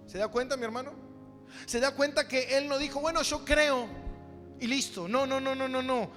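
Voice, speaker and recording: A man's voice: extremely high pitch, normal speed, a bit bright. A man preaching a sermon as a pastor, teaching from the Bible emphatically, repeating phrases and putting rhetorical questions to his listeners. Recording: echoey hall, music behind the voice.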